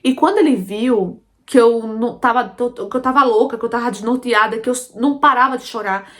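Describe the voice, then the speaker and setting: A woman's voice: on the high side, brisk. A Brazilian woman narrating a dramatic first-person story, emotional and intense, often turning to her listeners directly. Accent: Brazilian Portuguese.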